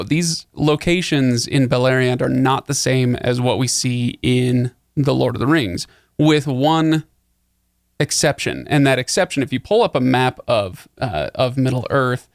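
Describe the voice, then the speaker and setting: Dude hosting a book podcast, gravelly fry in his voice, chatty, dry close mic. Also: medium pitch, measured pace, no room sound. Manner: chatty, laughing, animated. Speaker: podcast host. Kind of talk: casual book discussion.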